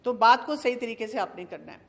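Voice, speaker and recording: A middle-aged woman, a child psychologist, giving calm, explanatory parenting advice and slipping English phrases into her talk. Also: a little high.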